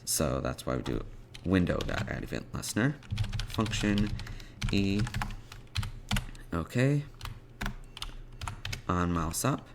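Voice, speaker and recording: A man presenting an unscripted programming tutorial, thinking aloud in a halting way as he types out code. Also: deep voice, big pitch swings, background noise.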